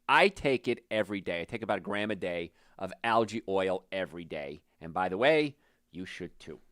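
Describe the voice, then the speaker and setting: A man's voice: medium pitch, a bit bright, dry recording. Middle-aged guy talking health straight to camera, emphatic, plain-spoken, dry close sound. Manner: plain-spoken, emphatic, addresses the viewer directly. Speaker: health show host. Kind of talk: direct-to-camera health talk.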